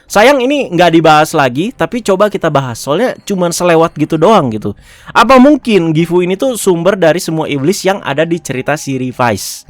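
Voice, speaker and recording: A man's voice: on the high side, lively intonation, a little fast, dry recording. A man giving a casual, chatty review of a TV episode, often chuckling and tagging his phrases.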